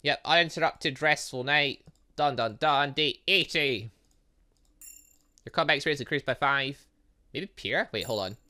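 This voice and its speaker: A man's voice: medium pitch, normal speed, long pauses, sharp tone. A man reading visual novel dialogue aloud as a gaming host, breaking off into casual asides and exclamations.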